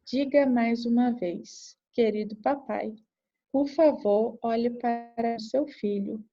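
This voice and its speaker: A woman reading the lines of an older male therapist giving gentle instructions to a group. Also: fairly high pitch, slow, lo-fi sound. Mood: directive.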